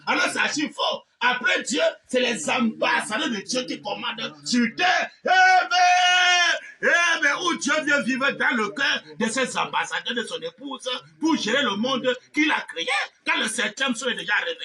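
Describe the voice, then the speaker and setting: A man preaching a fervent revivalist sermon, shouting and exhorting with repeated phrases, rhetorical questions and amens. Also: very high-pitched, distant mic.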